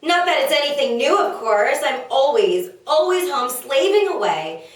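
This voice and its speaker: Woman as put-upon comic wife, griping and unsure of herself, slightly high voice, distant in a very reverberant room. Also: big pitch swings, normal speed. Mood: indignant. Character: exasperated, henpecking young-to-middle-aged wife of Socrates, insecure. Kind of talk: comedic play table read. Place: echoey room, away from mic. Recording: very echoey room, distant mic.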